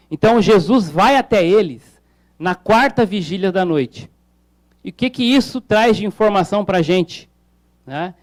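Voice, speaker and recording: A man's voice: high voice, a little mellow. A male pastor preaching a sermon in a conversational way, with jokes and rhetorical questions.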